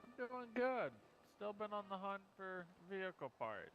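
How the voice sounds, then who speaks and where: A man's voice: high-pitched, big pitch swings, a little slow, fairly bright tone, a little hiss or hum. A man chatting casually in character as a survivor in an online roleplay game. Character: Alex, helpful scavenging survivor in zombie roleplay.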